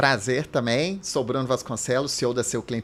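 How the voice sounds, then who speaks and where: A man's medium-pitched voice in a Minas Gerais accent, with ordinary pitch variation and a fairly quick pace. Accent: mineiro. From Minas Gerais, Brazil. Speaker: startup CEO. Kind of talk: podcast panel discussion.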